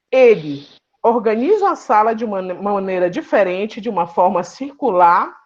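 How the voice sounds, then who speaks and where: Lively intonation from a woman at a medium pitch. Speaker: university geography professor. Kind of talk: lecture. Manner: slow.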